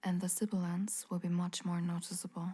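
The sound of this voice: A woman's fairly low voice, dark and mellow with a slightly husky edge, at a moderate pace.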